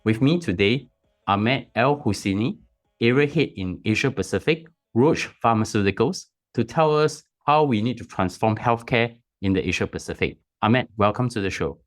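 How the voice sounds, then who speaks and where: A man's voice: medium pitch, lively intonation, normal speed. A man hosting an interview podcast, with formal, scripted introductions and questions. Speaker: podcast host.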